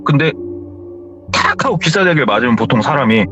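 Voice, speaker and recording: Man telling a ghost story with a lively voice. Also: mid-range voice, brisk. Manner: conversational, dramatic retelling. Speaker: horror story narrator. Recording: slightly dull sound with faint music.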